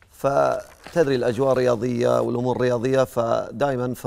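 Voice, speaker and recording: A man speaks at a moderate pace. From Qatar. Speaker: police sports official; guest. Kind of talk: TV interview. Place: studio. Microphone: lapel.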